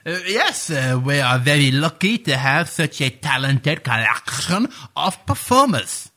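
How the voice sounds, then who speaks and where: Playing a self-important, flustered playwright in a radio comedy bit, a man uses an exaggerated, sing-song voice that's fairly high, pushed and bright, and a little slow. He stammers and hesitates with plenty of "uh"s, all wrapped in grandiose language.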